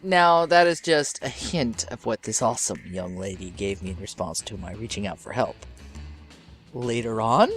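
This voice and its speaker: A woman hosting a podcast, giving an introduction in a theatrical, effusive storytelling manner. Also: very deep voice. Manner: theatrical, effusive, quotes others in acted voices. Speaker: podcast host and audio drama creator.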